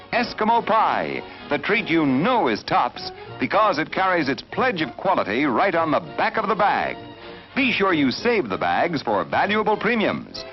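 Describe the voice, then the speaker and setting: An American man as announcer, reading a scripted vintage cinema commercial. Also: a little high. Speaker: advertising announcer. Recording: dull old film soundtrack with music.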